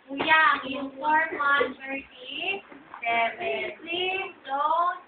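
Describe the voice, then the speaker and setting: A woman teacher talking fondly to her pupils at a graduation, scolding them gently and often asking "ha?". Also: high-pitched, drawn-out words, over a noisy crowd. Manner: fond, scolding, often asks "ha?". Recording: far-off echoey tinny home video with loud ambience.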